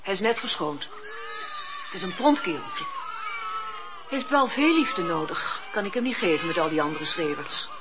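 An actress playing a demure, formal old spinster who runs an orphanage in a radio drama, deferential and hesitant. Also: female voice, lowish voice, lively intonation, normal speed, long pauses, close to an everyday voice. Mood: coaxing. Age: older. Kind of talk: Dutch radio drama acting. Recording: dull noisy radio drama recording.

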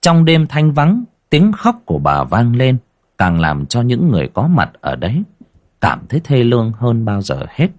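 A man narrates a ghost story dramatically and expressively, with a medium pitch at normal speed.

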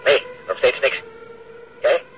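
A man acting an excitable police lookout reporting urgently in a Dutch radio drama. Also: slow pace, close to an everyday voice. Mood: watchful. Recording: muffled, noisy, sirens and radio behind.

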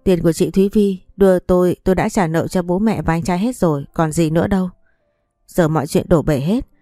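A woman narrating a first-person audiobook story with a smooth, even storytelling delivery. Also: lowish voice, brisk, dry recording, studio quality, soft background music.

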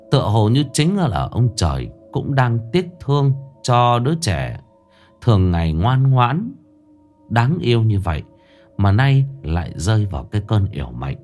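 A man tells a ghost story in a solemn, mournful tone. His voice rises and falls expressively across a moderate pitch, and soft music plays faintly behind him. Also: sing-song, moderate pace. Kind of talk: scripted ghost story narration.

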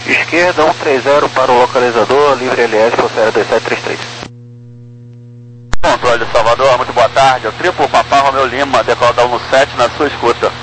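A man's voice: medium pitch, fairly even intonation, moderate pace, a bit bright. Brazilian male pilot over humming radio. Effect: aviation radio. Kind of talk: clipped radio readback. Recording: faintly noisy, humming radio.

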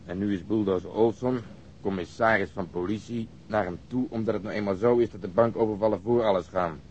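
An actor playing a sardonic police detective in a Dutch radio drama, telling things in a dry, ironic way. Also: male voice, lowish voice, fairly quick, darkish tone, slight background noise, lightly acted. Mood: dryly ironic. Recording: muffled radio drama recording.

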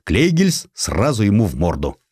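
A man narrating a satirical historical story in an expressive, theatrical, ironic manner. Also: lowish voice, moderate pace, slightly rough, no room sound, clean studio sound. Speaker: audiobook narrator.

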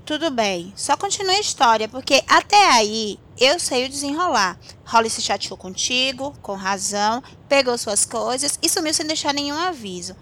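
A woman playing a composed, gently chiding confidante in a conversational audio drama. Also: high-pitched, lively intonation, moderate pace, hardly any pauses. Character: composed, chiding female listener to the tale.

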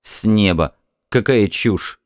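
A man's voice: on the low side, slow, clean tone, no echo, clean studio sound. A man voicing an irritable, dismissive Martian husband in an audiobook, curt and scornful. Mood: irritated, scornful.

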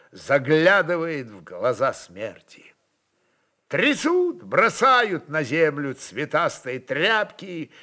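A male narrator reads literary prose dramatically. His voice sits fairly high and moves widely up and down, and he takes his time over the phrases. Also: a bit bright.

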